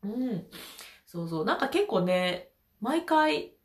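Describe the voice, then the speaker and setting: A woman's voice: a little high, big pitch swings, slow pace, reverberant. A woman with a stuffy nose from hay fever, leading a casual voice lesson, chatty and laughing often. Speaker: voice trainer.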